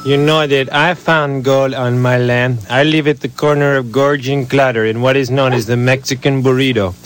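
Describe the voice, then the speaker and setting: A man's voice: medium pitch, flat delivery, moderate pace, smooth. A man doing comedy sketch banter, interrupting with a bossy director tone.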